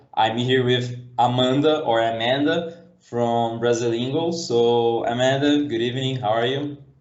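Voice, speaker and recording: A man with a Brazilian Portuguese accent speaks at medium pitch and a fairly slow pace, with hardly any pauses and fairly even intonation. Noticeable background noise and audible room echo are present. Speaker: video show host. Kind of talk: interview. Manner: halting.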